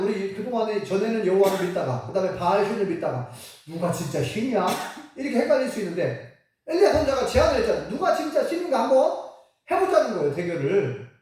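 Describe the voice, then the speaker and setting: A woman preacher telling a story in a sermon, asking the congregation questions and acting out quotes. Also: medium pitch. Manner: animated, asks the congregation questions, acts out quotes. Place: church sanctuary. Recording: echoey church from far off.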